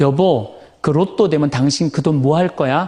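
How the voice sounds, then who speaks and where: A man puts on a nasal character voice, fairly high in pitch. He talks at a moderate pace against a quiet background. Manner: coaxing, nasal tone.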